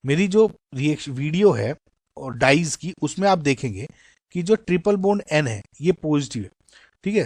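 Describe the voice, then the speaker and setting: A man's voice: medium pitch, a little mellow, no room sound. Man teaching chemistry, dry close sound. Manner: explains step by step, often checks understanding with "okay" and "correct"; reads question text slowly in English. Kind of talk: exam-prep lecture in Hindi-English mix.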